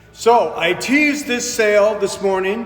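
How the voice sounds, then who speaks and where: Over music in the background and with audible room echo, a man talks in an animated tone with lively intonation. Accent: American. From New York. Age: 50s. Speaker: comic book dealer. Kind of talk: live sales stream. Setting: live stream with chat.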